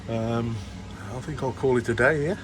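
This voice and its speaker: Against a noisy background, a medium-pitched man at a moderate pace chats his way through a loose, rambling video tour as a hobbyist vlogger. He's from the Black Country, England, has a Black Country English accent, sounds matey, and is filming in a warm grow tent in a shed.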